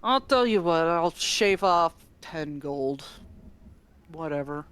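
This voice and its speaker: A woman voicing a blunt, gruff male dark elf dock official in a tabletop game, curt and dismissive. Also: sits low, animated, slow pace, heavily acted. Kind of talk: tabletop role-play.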